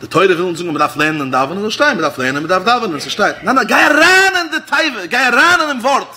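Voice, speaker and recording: Animated Hasidic rabbi preaching. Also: male voice, fast, a little hiss or hum. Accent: Hasidic Yiddish. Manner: swings between loud exclamations and low murmured asides. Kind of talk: Yiddish-flavored Hasidic sermon.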